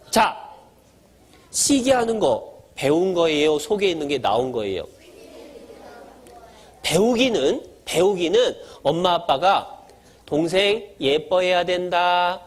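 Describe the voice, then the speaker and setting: A man preaching a sermon to children, animated, asking them questions and acting out small scenes of mother and baby. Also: high-pitched. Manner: acts out mother and baby voices. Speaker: pastor.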